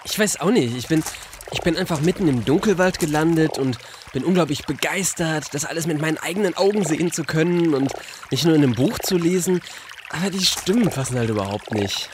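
A man's voice: fairly high pitch, expressive, brisk, background noise, natural voice. A man voicing a bookish teenage girl who has ended up with a man's voice, stammering and flustered, in a comic audio play. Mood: pleading.

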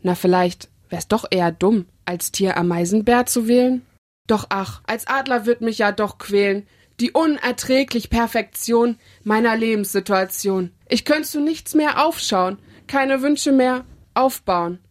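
A woman's voice: a little high, measured pace, natural voice. A woman voicing a dreamy male dinosaur who muses in rhymes in a storybook poem. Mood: musing. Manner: musing, whimsical rhyming.

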